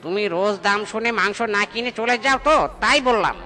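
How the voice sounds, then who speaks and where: Cartoon vendor creature, voiced by an actor: very bright and forceful, cheeky, sarcastic. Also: mid-range voice, expressive, fairly quick. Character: cheeky market vendor animal, sarcastic and exasperated. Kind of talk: Bengali comedy cartoon dialogue.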